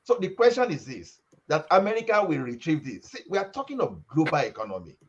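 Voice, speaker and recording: A man arguing in an animated, persuasive way, his pitch rising and falling a lot. His voice sits a bit high and comes through dull and lo-fi. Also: brisk, slight background noise. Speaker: panelist.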